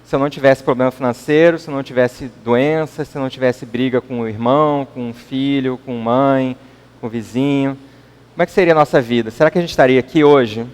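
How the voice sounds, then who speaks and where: A man's voice: mid-range voice, fairly even intonation, brisk, darkish tone, clear, resonant tone. A man with a Brazilian accent giving an informal public talk at a spiritist center, speaking conversationally and often tagging his sentences with a questioning "right?". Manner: conversational, keeps adding questioning tags. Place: meeting hall. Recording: long reverb in a hall.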